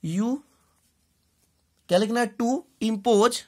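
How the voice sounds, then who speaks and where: A woman with an Indian accent teaching English in a bilingual lesson, deliberately repeating phrases, spelling out words and checking in often. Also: a little high, breathy edge.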